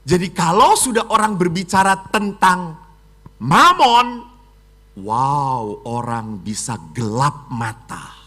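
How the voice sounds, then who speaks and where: A middle-aged man delivers a Catholic homily with a high, bright voice. His pitch leaps and falls dramatically, moving from loud exclamations to hushed, whispered asides. He keeps things playful with jokes. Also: very animated, takes it slowly. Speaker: Catholic priest. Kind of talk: lively homily.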